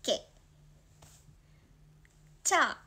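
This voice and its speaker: A young woman from Toyama with a Toyama dialect, chatting casually on her livestream and reacting to viewer comments, dropping to soft murmurs and then bursting out brightly. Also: extremely slow. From Toyama, Japan. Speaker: idol livestream host.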